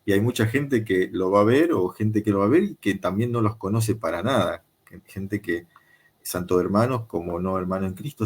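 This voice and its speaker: A man hosting a video call interview, talking in an unhurried, conversational way with frequent filler pauses. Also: on the low side, slightly rough. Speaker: interview show host.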